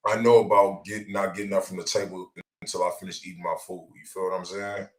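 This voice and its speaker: A man's voice: sits low, little pitch movement, fast. A man, hosting an online show in casual, slang-heavy chat. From Los Angeles area. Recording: roomy echo, far from mic.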